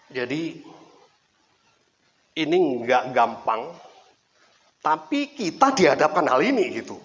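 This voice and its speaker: A man's voice: fairly high pitch, huge pitch swings, slow, a bit bright. Chatty East Javanese man preaching. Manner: chatty, anecdotal storytelling with repetition. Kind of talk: casual conversational sermon. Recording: dull lo-fi recording.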